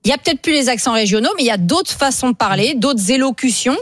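A woman's voice: a little high, lively intonation, fast, no echo, studio quality. A woman on a radio talk panel, speaking in an opinionated, emphatic way.

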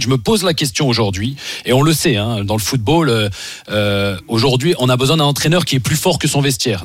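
A former player speaks as a radio football pundit, arguing his point insistently. He talks fast, and the mic sounds close and dry. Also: medium pitch, no echo. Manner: insistent, argumentative. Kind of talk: radio sports debate.

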